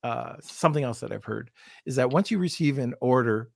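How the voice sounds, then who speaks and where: A man's voice: medium pitch, a little fast, gravelly, no echo, clean studio sound. A man with a Canadian accent hosting a podcast, asking questions in an easygoing, casual way. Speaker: podcast host.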